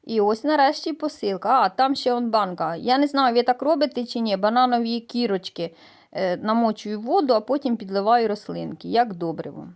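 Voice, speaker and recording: A middle-aged woman from the Mykolaiv region of Ukraine, chatting homely and hesitantly in a casual vlog, with many fillers and pauses. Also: on the high side, animated. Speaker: gardening vlogger. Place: outdoors in a village garden. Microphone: voice-over added after filming.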